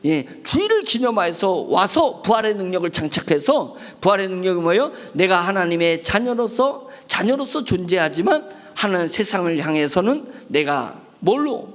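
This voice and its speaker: A man's voice: high-pitched, sing-song, normal speed, fairly bright tone, long reverb tail. A man pastor preaching a sermon, asking questions and acting out pleading prayers. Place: church sanctuary.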